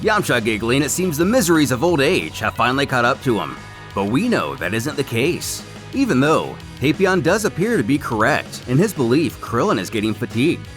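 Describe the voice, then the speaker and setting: Male narrator, animated delivery for a comic recap, music underneath. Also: medium pitch, a little fast. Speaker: narrator of a fan comic series. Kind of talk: scripted story recap narration with acted quotes.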